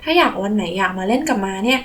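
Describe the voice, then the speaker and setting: A woman's voice: a little high, expressive, rapid-fire, a bit bright, pitched below the performer's own voice. A woman voicing a friendly, welcoming stable owner, sweet and reassuring, in a children's toy story.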